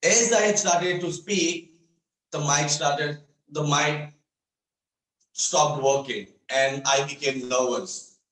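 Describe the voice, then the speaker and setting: Male contest speaker, fairly high voice, slow emphatic stage delivery, recorded in a reverberant room. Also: a bit bright. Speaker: speech contestant. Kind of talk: rehearsed motivational contest speech. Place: indoor room on a video call. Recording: echoey room, distant microphone, online meeting.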